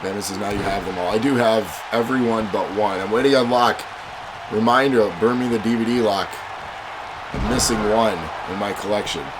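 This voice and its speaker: Male stream host with a lowish, stuffy cold voice, chatty commentary over loud crowd noise. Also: moderate pace. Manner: chatty, reads donations and chat aloud. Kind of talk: casual stream chat with match commentary. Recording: loud music and crowd behind. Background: loud game music and crowd noise.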